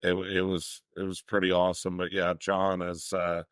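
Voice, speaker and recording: A man's voice: low-pitched, completely flat delivery, normal speed, fairly bright tone, dry recording, clean studio sound. A man co-hosting a talk show, telling a rambling story full of fillers and restarts. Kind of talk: casual chat.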